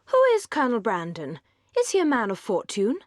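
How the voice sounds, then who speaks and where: A woman's voice: on the high side, wildly swooping pitch, brisk, no echo, studio quality. A woman reading nosy brother John Dashwood. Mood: inquisitive. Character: John Dashwood, eager, money-minded older brother.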